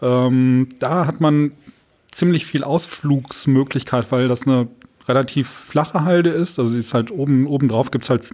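A man's voice: mid-range voice, normal speed, a little mellow. A man chatting casually as a podcast co-host, explaining things and often searching for words.

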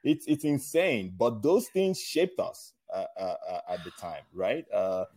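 Deep-voiced Nigerian man telling stories. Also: sing-song, unhurried, darkish tone. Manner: rambling, many fillers and restarts. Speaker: guest. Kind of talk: casual interview chat.

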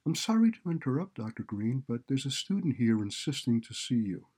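A man's voice: medium pitch, sing-song, brisk, a little mellow, breathy edge, pitched above the performer's own voice. A man voicing a polite young female secretary in a story, apologetic and businesslike. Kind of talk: audiobook character dialogue.

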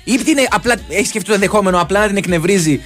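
A man co-hosting a comedy talk show, firing off quick retorts and reading a listener's message. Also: high-pitched, a bit bright, soft background music. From Greece. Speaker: co-host. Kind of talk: comedic banter.

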